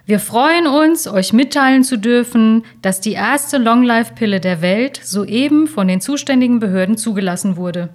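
Brief: smarmy, booming male spokesman, syrupy and fake, played by a woman reader. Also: animated, normal speed, hardly any pauses, lightly acted. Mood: gushing. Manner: loud, syrupy and exaggerated.

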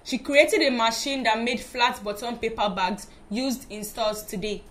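A woman with a Nigerian accent presenting a children's radio show. She reads the scripted segments in a bright, emphatic announcer style. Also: fairly high pitch, unhurried. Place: radio studio.

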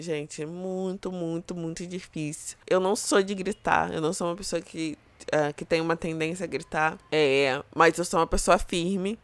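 A woman's voice: fairly low pitch, no echo. Chatty woman, dry sound. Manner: chatty, storytelling, frequent fillers like "né" and "assim". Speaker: mother telling a personal story on a podcast. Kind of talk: casual podcast chat.

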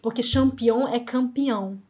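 A Brazilian woman in her thirties with a Brazilian Portuguese accent, telling lively anecdotes fast in an interview. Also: fairly high pitch. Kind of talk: casual storytelling.

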